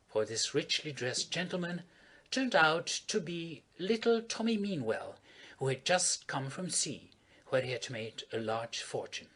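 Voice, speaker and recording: Husky man with lively storybook delivery. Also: a little high. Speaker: audiobook narrator. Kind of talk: storybook narration.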